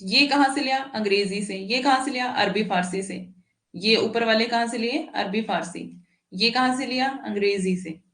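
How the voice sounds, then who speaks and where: Woman teacher, patient explainer who keeps checking in; slightly high voice, echoey room. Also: normal speed, a bit bright. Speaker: Hindi teacher. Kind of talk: online exam-prep lesson.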